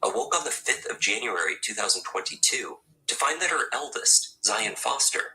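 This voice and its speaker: Man narrating true crime, bright tone. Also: mid-range voice, rough recording. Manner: measured, even storytelling delivery. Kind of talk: scripted documentary narration.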